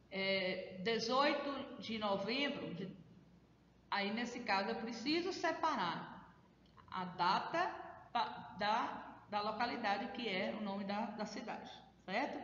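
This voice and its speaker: A woman's voice: fairly high pitch, fairly bright tone, a little hiss or hum. A woman schoolteacher with a Brazilian Portuguese accent giving a remote lesson, explaining step by step and often checking in with her students. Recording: very echoey room, dull lo-fi sound.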